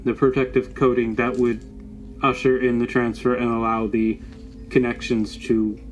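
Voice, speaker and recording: A man voicing a polite, literal-minded android bodyguard in a tabletop game, speaking in stiff, formal, deadpan phrases. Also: medium pitch, normal speed, lightly acted, poor audio. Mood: calm, literal. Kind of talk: tabletop roleplay, in character.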